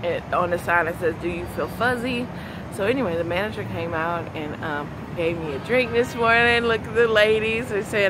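Background noise is noticeable, while the sound itself stays dry without any echo. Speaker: vlogger. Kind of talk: casual vlog chat. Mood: excited, upbeat. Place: street. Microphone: phone near.

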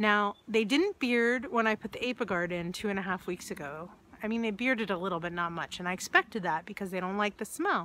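A woman's bright, sharp voice at a fairly quick pace with ordinary pitch variation, dry with no echo over light background noise. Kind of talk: casual vlog chat. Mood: puzzled, amazed. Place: garden. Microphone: phone near.

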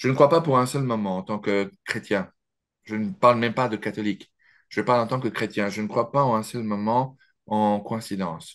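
Against a quiet background, a fairly low-pitched man talks at a moderate pace with ordinary pitch variation. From France, born in Normandy, raised in Paris; France. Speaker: author and expert on Marian apparitions; interviewee. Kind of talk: interview. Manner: talkative, hesitant with repetitions. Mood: earnest, personal conviction. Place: home room. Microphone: video call.

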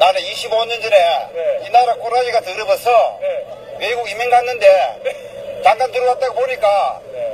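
There is noticeable background noise in this clip. Through it, a man talks at a moderate tempo. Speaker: rally attendee interviewed. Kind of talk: street interview answer. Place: stadium. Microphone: handheld.

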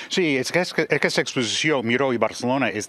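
Fairly quick speech from a man, with ordinary pitch variation. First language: not Catalan, learned it as an adult (speaking Catalan). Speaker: art historian, university chair director. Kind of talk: interview. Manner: halting, with repetitions.

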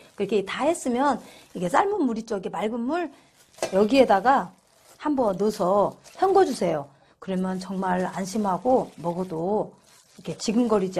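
Somewhat breathy and medium in pitch, a woman speaks at a fairly slow pace with lively intonation. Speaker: cooking channel host. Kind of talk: tutorial. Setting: home kitchen. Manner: halting, many filler words. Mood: warm, friendly. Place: kitchen.

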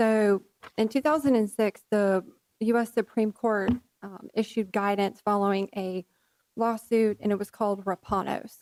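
Soft-spoken, a woman talks at a moderate pace in a North Carolina accent, her medium pitch and fairly even intonation caught in a dry, close sound with no echo. Her voice stays quiet throughout. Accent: US Southern (North Carolina). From North Carolina (Stanly County). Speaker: wetland scientist speaking at public hearing. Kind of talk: public comment at council meeting. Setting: city council meeting with microphone. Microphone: too far from microphone at first.

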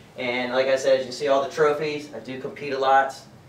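Audible room echo surrounds a man speaking at a fairly quick pace. Light background noise is present. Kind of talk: casual self-introduction storytelling. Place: home room. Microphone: camera far.

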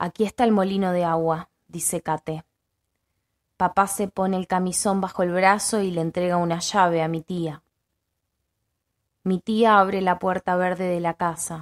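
A woman's flat, monotone voice at medium pitch and moderate pace, with long, frequent pauses, dry and close with no echo, in a very clean recording with a silent background. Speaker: narrator. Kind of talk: literary short story reading.

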